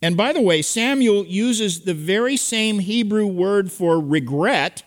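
A man's voice: high-pitched, expressive, unhurried. A man preaching an expository sermon to a congregation, earnest and emphatic as he teaches. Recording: echoey hall with long reverb.

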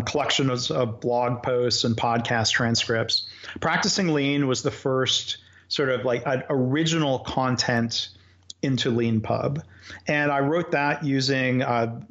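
A man talks through his process in a conversational interview, pausing and restarting as he thinks. His voice sits in a middle register. The audio is a little dull and lo-fi. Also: medium pitch, fairly bright tone. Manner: thoughtful, halting, with frequent fillers and restarts. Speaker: author guest.

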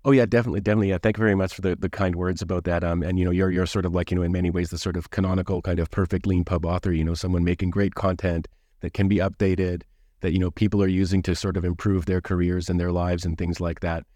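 A man's voice: low voice, flat delivery, fast, dark tone, no room sound. A man hosting a podcast interview, chatty and full of "you know" and "sort of". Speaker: podcast host.

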